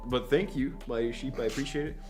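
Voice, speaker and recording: A man's voice: mid-range voice, fairly even intonation, fairly quick, darkish tone. A young man chatting casually on a livestream as a guest, rambling and self-deprecating, swearing casually. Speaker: guest content creator. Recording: lofi music playing faintly behind.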